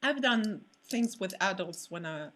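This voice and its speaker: A woman's voice: medium pitch, expressive, measured pace, a bit bright. A woman from France with a French accent, talking casually in an interview and often searching for words. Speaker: physical theater performer.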